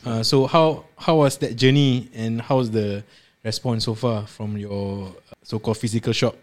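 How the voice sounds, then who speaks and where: A man's voice: on the low side, fairly even intonation, normal speed. A man interviewing in a casual way, with a Malay-speaking Southeast Asian accent and slangy English mixed with Malay. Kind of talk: casual chat.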